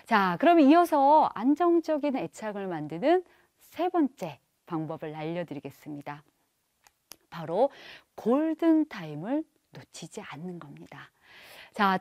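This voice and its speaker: Animated woman giving a parenting lecture. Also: on the high side, dry recording, clean studio sound. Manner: lively, asks the audience rhetorical questions; acts out parents' and children's lines in quick voices. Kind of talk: televised lecture.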